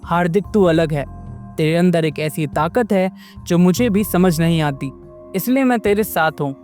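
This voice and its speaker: A man voicing a friendly, loyal male jinn in a storybook tale, speaking in a warm, earnest way. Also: fairly high pitch, moderate pace, faint music behind, close to an everyday voice.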